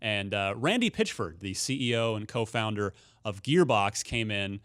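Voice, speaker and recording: A man's voice: on the low side, expressive, moderate pace, a bit bright. Man hosting a casual podcast. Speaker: podcast host. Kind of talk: casual podcast talk with plugs.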